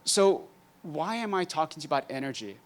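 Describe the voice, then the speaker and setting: A man in his fifties from Hawaii, giving a conference master class in a relaxed, dry-humored way with frequent ums. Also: a little high, a little fast. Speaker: guest speaker, entrepreneur.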